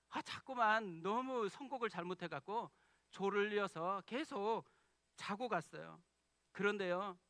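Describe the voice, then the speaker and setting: Male pastor, high bright voice, heartfelt testimony style, dry close mic. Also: no room sound. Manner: emotional personal storytelling. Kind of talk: sermon.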